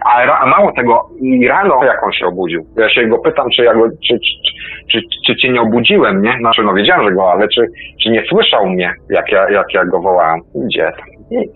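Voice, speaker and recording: A man's voice: mid-range voice, lively intonation, husky. Stammering man calling in by phone. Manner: halting and stammering, repeats words often. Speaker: caller. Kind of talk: telling a personal experience on a call-in radio show. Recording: tinny phone line.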